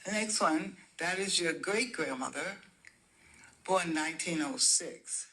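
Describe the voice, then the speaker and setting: An older woman calmly explaining old family photos in a matter-of-fact way, heard from a video played back. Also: on the low side, unhurried, rough recording.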